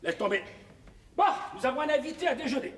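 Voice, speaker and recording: A man's voice: very high-pitched, lively intonation, fast talker, fairly bright tone, slight background noise. An actor playing a crude, boastful nouveau-riche businessman in a televised 1970s stage comedy. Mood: bossy. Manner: brash, bossy, crude. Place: theatre stage. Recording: roomy stage sound from far off.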